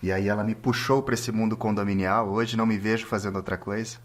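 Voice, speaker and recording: Low-voiced man, podcast guest. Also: fairly even intonation, quick pace. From southern Brazil. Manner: agreeable, affirms often. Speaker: guest, condominium administrator. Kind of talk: casual interview chat.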